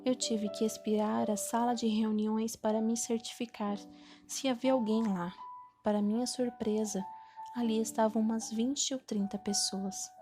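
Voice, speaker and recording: A woman's voice: a little high, fairly even intonation, measured pace. Brazilian woman reading a devotional audiobook over music. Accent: Brazilian Portuguese. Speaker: audiobook narrator.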